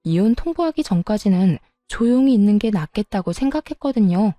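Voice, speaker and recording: A young woman narrates her family story as if confiding to a friend, with a gossipy lilt. Her voice is warm and mellow. The recording is dry and close. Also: medium pitch, lively intonation, a little fast, dry recording, faint music behind.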